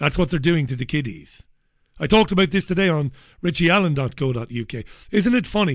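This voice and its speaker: A man's fairly high voice with lively intonation over a quiet background. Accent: Irish. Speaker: radio host. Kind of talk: casual chat. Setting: studio. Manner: animated.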